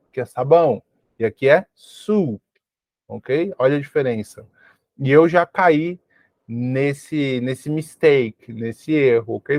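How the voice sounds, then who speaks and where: A man from Brazil giving a video English lesson, repeating each word slowly and checking in with "ok?". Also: mid-range voice, a little mellow, no room sound. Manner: repeats words slowly for practice, frequent "ok?". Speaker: English teacher.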